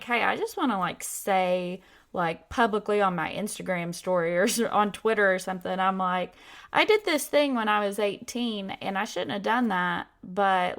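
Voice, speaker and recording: Young woman, podcast host, chatty, casual, mid-pitched voice. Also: fairly bright tone. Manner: chatty, lots of "like" fillers.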